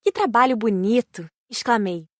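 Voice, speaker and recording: A woman's voice: fairly high pitch, moderate pace, no room sound, studio quality. A woman with a Brazilian accent reading scripted narration for a spiritist audiobook.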